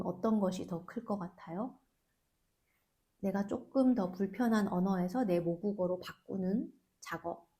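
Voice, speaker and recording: A woman hosting a Korean-learning podcast, explaining a book in a soft, thoughtful way and asking listeners questions. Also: on the low side, vocal fry. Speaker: Korean teacher and podcast host.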